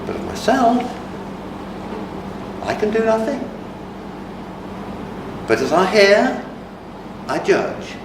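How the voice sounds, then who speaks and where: A man's voice: sits high, sing-song, slow pace, pauses often, full character voice. A man reciting as Jesus, grave and commanding. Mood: solemn. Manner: solemn, emphatic declaiming. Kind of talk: dramatic scripture recitation. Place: conference hall. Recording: echoey hall from far off, noisy.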